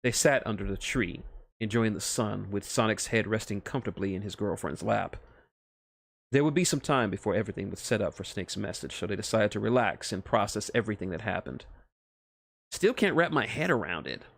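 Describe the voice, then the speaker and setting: A man's voice: on the low side, fairly quick, vocal fry, dry recording. A man reading a story aloud live as narrator, stumbling over words now and then and rereading them. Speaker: streamer reading fan fiction aloud.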